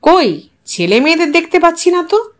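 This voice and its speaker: A woman's voice: extremely high pitch, sing-song, moderate pace, pitched above the performer's own voice. A woman voicing a well-off, playful younger man who banters with mock formality in an audio story. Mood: teasing. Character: well-off, breezy, teasing younger male relative.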